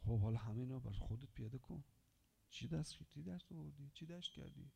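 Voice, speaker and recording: A man preaching a Muharram sermon, impassioned, firing rhetorical questions and swinging between loud exhortation and hushed whispers. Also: medium pitch, animated, creaky, a little hiss or hum. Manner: rhetorical questions pressed on the listener.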